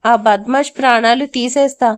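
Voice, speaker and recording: Brash hothead, young man, played by a woman, Hindi-laced bluster, slightly high voice. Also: fairly even intonation, moderate pace, close to an everyday voice. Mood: angry, defiant. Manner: mixes Hindi words into Telugu, blustering. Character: brash young northern man, hot-tempered.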